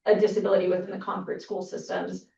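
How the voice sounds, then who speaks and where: Gravelly-voiced woman, distant and echoey. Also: fairly low pitch, little pitch movement, fast, darkish tone. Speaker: parent advocate on a commission. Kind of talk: public meeting discussion. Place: meeting room. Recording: echoey room, distant mic, dull sound.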